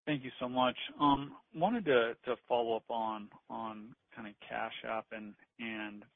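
Man, even intonation, financial analyst, halting questioning, dry narrow telephone audio. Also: medium pitch, no echo. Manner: halting, circling toward the question. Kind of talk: earnings call question, unscripted. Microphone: phone. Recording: dry, narrow phone line.

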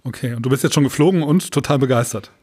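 A man's voice: medium pitch, quick pace, a little mellow, husky. A man hosting a podcast in a casual, informal and teasing manner. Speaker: podcast host.

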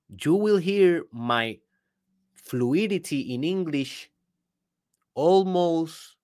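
With a fairly high-pitched voice, a business coach whose native tongue is Spanish, and who has a Spanish accent, delivers an emphatic motivational talk by himself. He often asks the listener rhetorical questions.

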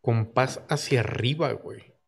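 Medium-pitched Mexican man, slangy talk. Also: a little slow, vocal fry, husky. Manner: slangy, crude, informal. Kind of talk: casual chat.

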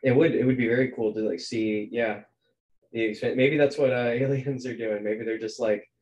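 A man's voice: medium pitch, steady tone, normal speed, a little mellow. A man in his twenties hosting a podcast, musing aloud in a hesitant, filler-heavy way. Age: 20s. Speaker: podcast host. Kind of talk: casual podcast conversation.

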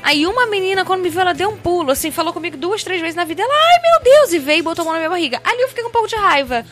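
Woman, new mum, high bright voice, lively storyteller, soft music underneath. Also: very fast. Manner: animated storyteller, acts out quoted voices. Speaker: guest, new mother. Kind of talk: casual chat.

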